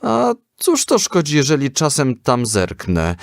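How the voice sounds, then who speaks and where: A man's voice: fairly low pitch, animated, a little slow, dry recording, studio quality. A man voicing a young boy, a whiny, sulky and naive son in a children's story. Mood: puzzled, sheepish.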